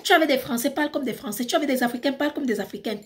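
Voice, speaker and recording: A woman's voice: sits high, very fast. A woman with a Cameroonian accent, ranting passionately in a casual vlog and switching between French and English. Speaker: YouTuber. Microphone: phone.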